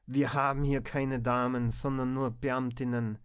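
A gruff older bank director in an audiobook, as the man reading voices him, clipped and commanding with a firm middle-pitched voice. the sound is dull and lo-fi. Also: little pitch movement, unhurried, lightly acted. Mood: stern. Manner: curt commanding tone. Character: gruff older male bank director, stern but fatherly. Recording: dull lo-fi recording.

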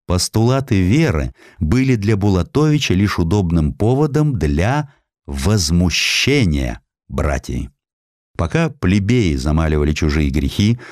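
Deep-voiced man narrating a historical story. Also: darkish tone, no echo, clean studio sound. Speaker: audiobook narrator.

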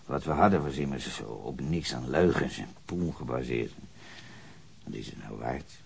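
An actor playing a coarse, hard-drinking sea captain who is under questioning, gruff and blunt in a radio drama. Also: male voice, extremely low pitch, animated, normal speed, darkish tone, heavily acted. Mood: bitter. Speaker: suspect being questioned.

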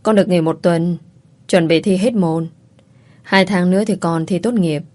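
Woman reading as a young daughter, soft, hesitant, devoted, lowish voice, storybook. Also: moderate pace, natural voice. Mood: tender. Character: young female student, tearful devoted daughter.

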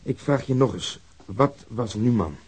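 An actor playing a blunt, hard-nosed, insistent police detective who talks emphatically in a Dutch radio drama. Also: male voice, medium pitch, expressive, measured pace, a little mellow, breathy edge. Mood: insistent, angry.

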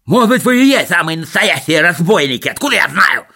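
A man voicing a greedy, whiny rich old miser in a raspy, creaky squeal, haggling indignantly. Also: on the high side, sing-song, brisk, sharp tone, pitched above the performer's own voice, full character voice. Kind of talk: audiobook character voice.

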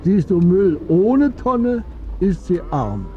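An actor playing a wise, gentle old Muslim shopkeeper who teases and philosophizes unhurriedly in a radio drama. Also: male voice, sits high, very animated, slow pace, dull audio, a little hiss or hum, full character voice. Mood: serene, wise. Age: older.

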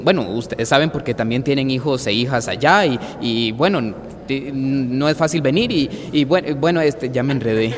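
A man's voice: medium pitch, normal speed, big-room sound, slight background noise, natural voice. An actor playing a young man who nervously thanks a crowd, stumbling over his words. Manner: hesitant, stumbling, lots of fillers. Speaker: grandson giving a thank-you speech.

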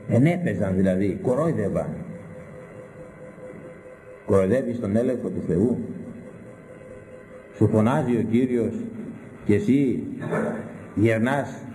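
A man's voice: on the low side, warm tone, in a large hall, rough recording. A man preaching a stern, scolding sermon full of rhetorical questions. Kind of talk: sermon with Bible interpretation.

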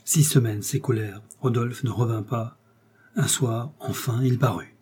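A man reading a classic novel aloud with a measured, even delivery. His voice is mellow and dark, with a soft husky edge. He keeps to a steady middle pitch. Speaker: audiobook narrator. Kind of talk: literary audiobook narration.

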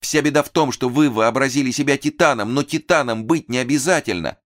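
A man voicing an emotional, devoted young actress with a shrill, pleading manner. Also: a little fast, natural voice. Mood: tender pleading.

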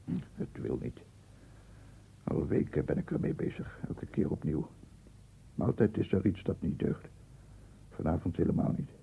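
An actor playing a weary, guilt-ridden writer who mutters to himself in halting, broken phrases in a radio drama. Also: male voice, sits low, a little hiss or hum, heavily acted. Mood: weary, irritated. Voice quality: husky, gravelly. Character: brooding, weary male writer tormented by guilt. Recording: muffled, phone-like archive radio recording.

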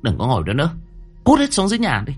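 A man's voice: mid-range voice, lively intonation, brisk, husky, faint music behind. A man voicing a furious, bossy middle-aged mother who screeches threats and scoldings.

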